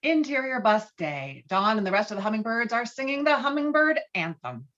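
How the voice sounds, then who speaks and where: A woman's voice: a little high, big pitch swings, moderate pace, fairly bright tone, muffled recording. A woman reading screenplay stage directions as scripted narration, on video-call audio.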